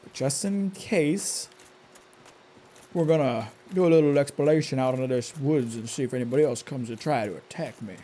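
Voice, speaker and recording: A man's voice: mid-range voice, normal speed, warm tone. A man commenting on his own game live, stressed, talking to himself and cursing at enemies with sudden outbursts. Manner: talks to himself, curses at enemies, jumpy outbursts. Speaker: streamer playing a game live.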